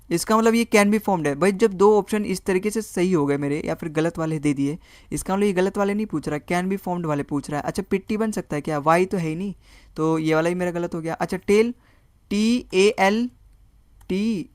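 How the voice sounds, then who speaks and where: A man's voice: high-pitched, no echo, clean studio sound. A man teaching a reasoning lesson for exam prep. He works through each answer option aloud, repeating words and checking in with his students. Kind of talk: online exam-prep lesson, Hindi mixed with English.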